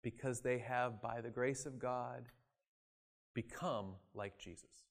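A man preaching a sermon, acting out quoted voices and swinging from loud emphasis to quiet asides. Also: medium pitch, fairly even intonation, slow, creaky. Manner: dramatic, acts out voices in quoted scripture.

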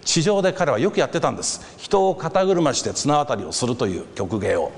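A man preaching a sermon, telling a story and acting out the voices of a crowd with lively animation. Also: mid-range voice, fairly quick. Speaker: pastor. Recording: reverberant hall with faint background noise.

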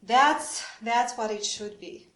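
Woman presenter, higher voice, asks the room questions, echoey hall. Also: slow, a bit bright. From Romania. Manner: engaging, asks the audience questions. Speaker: prayer workshop presenter. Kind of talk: church workshop talk.

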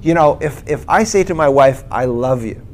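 A man's voice: medium pitch, animated, moderate pace, slight background noise. A middle-aged man co-presenting a Christian talk, sharing his personal story in a conversational way and often checking in with "right?" and "okay?".

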